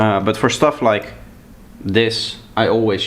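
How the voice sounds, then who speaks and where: With a Dutch accent, a man speaks at a fairly low pitch and with fairly even intonation. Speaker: music producer streamer. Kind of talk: live stream tutorial. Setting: live stream.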